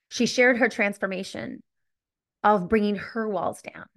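A middle-aged woman hosting a solo podcast, telling a personal story candidly and reflectively, often stopping to correct herself. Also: medium pitch. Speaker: podcast host.

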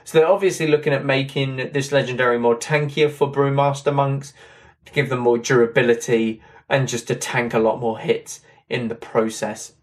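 A man with a slightly hoarse, drying voice, chatting casually through game patch notes in a rambling way with many fillers. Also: medium pitch, fairly even intonation, moderate pace. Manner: rambling, repeats "that kind of thing", fillers. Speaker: game content creator.

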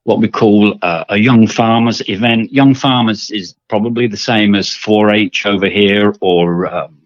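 A man's voice: on the low side, steady tone, measured pace, dry recording, muffled recording. An older man from England with an English accent, talking through his story as a guest with lots of fillers and repeated words. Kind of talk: casual interview.

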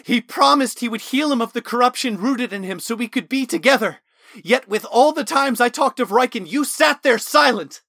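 A male narrator voicing a brooding veteran fighter who speaks solemnly and then shouts manically, his voice climbing high. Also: moderate pace, few pauses, no room sound, lightly acted. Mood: manic shouting.

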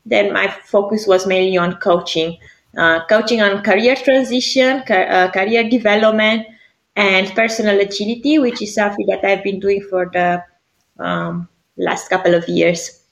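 A woman's voice: mid-range voice, moderate pace. Hesitant Romanian-accented woman coach. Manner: hesitant, many fillers. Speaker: guest, career coach. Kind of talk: interview answers.

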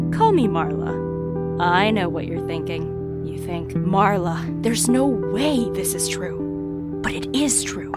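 A woman playing a sly jewel seller in an audio play, confiding a tale to the listener in a teasing, theatrical way. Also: mid-range voice. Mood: conspiratorial, teasing. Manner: conspiratorial, teasing, dramatic storytelling. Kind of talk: audio drama narration addressed to the listener. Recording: music playing behind the voice.

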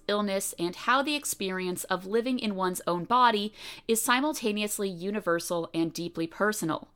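American woman hosting a podcast, upbeat and eager, reads the guest bio then jumps in, mid-pitched voice. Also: a bit bright. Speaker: podcast host. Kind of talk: podcast interview with scripted intro. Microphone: video call.

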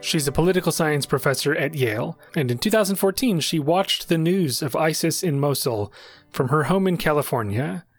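Higher-voiced man narrating a podcast. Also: lively intonation, normal speed, faint music behind. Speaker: podcast host.

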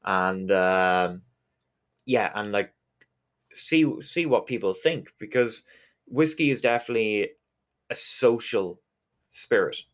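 A man's voice: on the low side, lively intonation, takes it slowly, pauses often, fairly bright tone. A man from Galway with a west of Ireland accent, explaining things conversationally as an interview guest. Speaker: interview guest, whiskey distillery representative.

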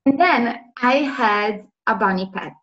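An earnest woman from Serbia answers interview questions in a slightly high voice, often pausing with "uh" and "um." Her audio comes over a remote call and sounds muffled and lo-fi. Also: expressive, a bit bright. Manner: earnest, frequent "uh" and "um" pauses. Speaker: interview guest.

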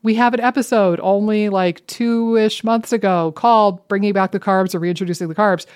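A woman's voice: mid-range voice, fairly even intonation, moderate pace, darkish tone, clean tone. Chatty podcast cohost lady, playful, hams it up a bit, talks over a webcam setup. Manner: chatty, playful, dramatic asides. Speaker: podcast co-host. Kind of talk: casual chat.

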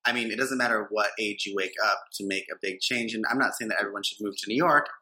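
A man's voice: on the low side, fast talker, pushed and bright, poor audio. A man co-hosting a podcast, giving blunt motivational talk with some swearing. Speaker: podcast co-host. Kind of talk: casual chat.

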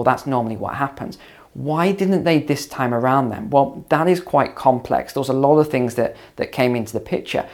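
A man hosting his own finance channel, slightly hoarse after long calls, explaining to camera in a conversational way with ums and repeats. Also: medium pitch. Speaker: finance video host and mentor.

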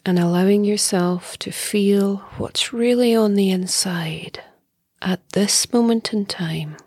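A woman meditation teacher leading a guided meditation in a soft, breathy voice that often drops near a whisper, calm, soothing and unhurried. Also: medium pitch, no echo, studio quality.

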